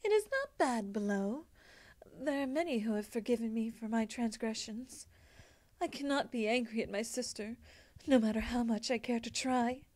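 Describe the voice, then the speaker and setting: A woman voicing a wistful, regal winged pony princess in a storybook, speaking formally, softly and solemnly. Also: fairly high pitch, normal speed, close to an everyday voice. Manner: formal, soft-spoken, solemn. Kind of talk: storybook character acting.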